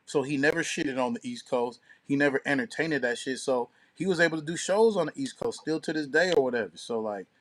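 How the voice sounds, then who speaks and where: A man's voice: medium pitch, a little fast, few pauses, rough recording. A man co-hosting a casual podcast, talking in an opinionated, emphatic, slangy and profane way. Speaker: podcast co-host and DJ.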